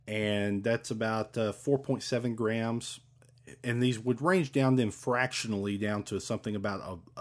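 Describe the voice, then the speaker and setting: A man's voice: lowish voice, a little mellow. A man talking casually and eagerly, rambling with many fillers and restarts as he explains. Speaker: podcast host talking about ancient coins.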